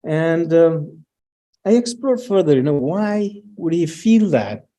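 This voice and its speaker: A middle-aged man presenting research findings at an academic talk, pausing often with fillers and restarts. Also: on the high side, animated, dark tone. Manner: hesitant, many fillers and restarts, reads out student quotes.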